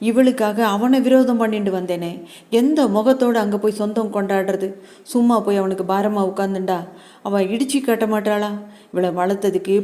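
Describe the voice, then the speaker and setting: A woman's voice: medium pitch, warm tone, natural voice. A woman voicing an angry, aggrieved older mother who scolds and pities herself in a long tirade. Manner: scolding, self-pitying tirade.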